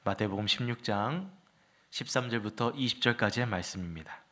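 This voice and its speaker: Low-voiced man leading worship. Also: brisk, bright, forceful tone. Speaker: pastor. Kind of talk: scripture reading and introduction.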